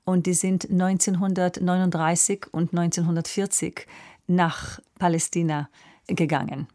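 A woman opera singer from Israel with an Israeli accent, speaking slowly and thoughtfully in a radio interview, sometimes searching for words. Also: lowish voice, flat delivery, darkish tone. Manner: slow, thoughtful, searching for words in a second language. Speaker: guest, opera soprano.

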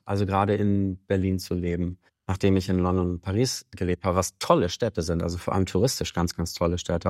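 Low-voiced reflective man, dry studio sound. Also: darkish tone, no echo. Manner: reflective, measured, lots of "also". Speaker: musician guest. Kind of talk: radio interview.

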